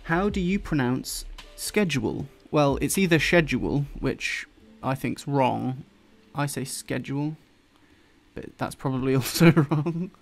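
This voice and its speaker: A man with an English accent softened by London, chatting casually and rambling while he draws, swearing now and then and dropping his t's. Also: medium pitch, unhurried, creaky, hardly any pauses, soft background music. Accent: English, London-influenced. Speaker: YouTuber drawing on stream. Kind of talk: casual chat while drawing.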